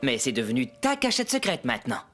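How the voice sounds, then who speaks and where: A man voicing a friendly young father in a children's cartoon, talking gently and fondly to his little son. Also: medium pitch, huge pitch swings, fast, over loud music. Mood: fond surprise.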